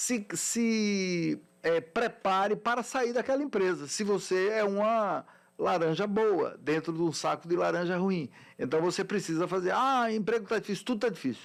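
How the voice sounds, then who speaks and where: On a very clean recording with a silent background, a man speaks in a high pitch at a very even loudness. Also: ordinary pitch variation, moderate pace. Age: 60s. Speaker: business consultant. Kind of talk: radio interview.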